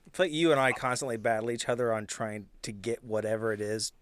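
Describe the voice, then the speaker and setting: A man's voice: medium pitch, quick pace, clean tone, dry recording. A man chatting casually as a player in a tabletop roleplaying game podcast. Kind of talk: casual chat.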